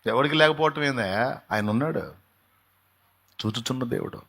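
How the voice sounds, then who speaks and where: A male pastor preaching a sermon with fervour, swinging between quiet, low passages and loud, raised outbursts. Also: normal speed, gravelly.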